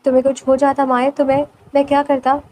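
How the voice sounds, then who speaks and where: A woman's voice: high-pitched, completely flat delivery, darkish tone, a little hiss or hum, lightly acted. A woman voicing a stern, protective young man who speaks in curt, commanding lines. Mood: tender.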